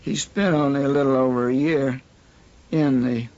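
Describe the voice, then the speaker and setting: A man's voice: mid-range voice, steady tone, normal speed, a little mellow. A man, a lawyer, speaking spontaneously as an interviewee. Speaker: lawyer giving testimony. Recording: dull interview recording.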